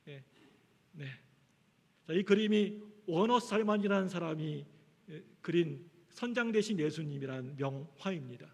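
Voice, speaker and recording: A man's voice: a little high, lively intonation, measured pace. A male pastor preaching a Sunday sermon, earnest and building to emphatic appeals to the congregation. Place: church sanctuary. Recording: echoey church hall.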